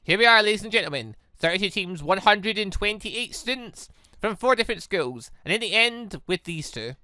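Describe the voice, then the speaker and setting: A grandiose tournament announcer acted by a man reading a visual novel, booming and ceremonial. The voice is bright and raised, with big sweeps of pitch. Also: animated, moderate pace, no echo, heavily acted. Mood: rousing. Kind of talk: visual novel read-aloud.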